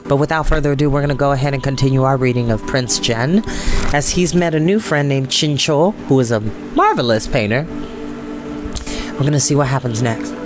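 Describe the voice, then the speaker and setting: A mid-range male voice, slightly fast, belongs to an American storytime show host chatting earnestly and casually with his online audience. Emphatic phrases come back over and over while soft meditation music runs behind him.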